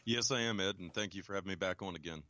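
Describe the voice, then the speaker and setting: A man being interviewed as an author, explaining at length in a measured way with many ums. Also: deep voice, sharp tone. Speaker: guest author. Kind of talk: interview answers.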